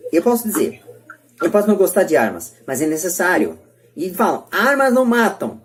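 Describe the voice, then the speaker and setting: A woman's voice: lowish voice, big pitch swings, a little fast. A Brazilian woman hosting a casual podcast debate, emphatic and often repeating or rephrasing her points. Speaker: podcast host.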